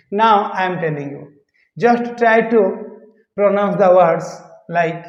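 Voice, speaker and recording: A man with a high voice teaches an English pronunciation class, repeating each word slowly to show how it sounds. The sound is muffled and lo-fi, with a long echo from a large room. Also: a little mellow.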